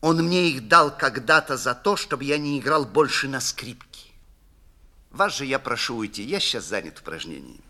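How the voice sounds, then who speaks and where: A man's voice: medium pitch, expressive, moderate pace, sharp tone, pitched above the performer's own voice. A man voicing a proud, bitter, distrustful violinist who speaks haughtily and curtly. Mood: haughty. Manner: haughty, curt.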